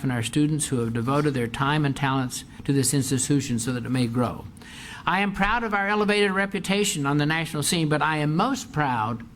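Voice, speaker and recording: A man's voice: mid-range voice, a little hiss or hum. An older man, a university president, giving a formal speech and then answering audience questions, stressing points by repeating phrases. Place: auditorium with an audience.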